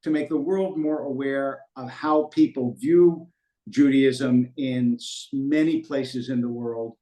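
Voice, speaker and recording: A man's voice: medium pitch, steady tone, dark tone. Reflective man in a roomy space. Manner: measured, reflective, tells anecdotes. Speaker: rabbi, guest. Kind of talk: thoughtful interview answers. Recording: roomy echo.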